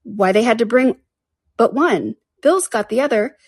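Woman playing little storybook animal workers, very high voice, brisk, bossy, bustling, dry sound. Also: lively intonation, husky, no room sound. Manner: brisk, shouted orders. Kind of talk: storybook character voice.

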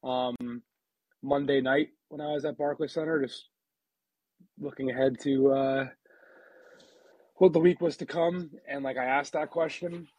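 A man's voice: mid-range voice, steady tone, unhurried, pauses often, a little mellow, breathy edge, no echo, low-quality recording. A man hosting a casual sports podcast as an NBA reporter, chatty, with many restarts, chewing a sandwich as he talks.

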